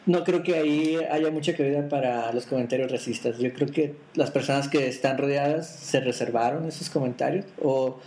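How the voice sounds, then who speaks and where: A man hosting a podcast, talking casually and pausing to search for words. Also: mid-range voice, darkish tone, a little hiss or hum. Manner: hesitant, searching for words, wraps up segments. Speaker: podcast host. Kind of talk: casual chat.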